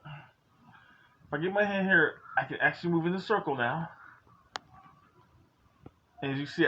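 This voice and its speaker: A man's voice: on the high side, a bit bright, highs cut off, a little hiss or hum. A man in his forties talking at home, candid and joking but earnest as he gives advice. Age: 40s. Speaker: vlogger. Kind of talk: casual talk to camera.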